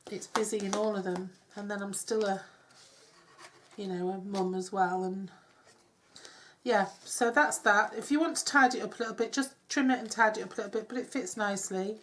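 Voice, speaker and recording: A middle-aged woman with a cold, chatting her way through a craft demonstration with soft, self-deprecating asides. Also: mid-range voice, fairly quick, slight background noise. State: congested with a cold. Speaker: craft tutorial host. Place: home craft table. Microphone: overhead camera on hands, speaker off-screen.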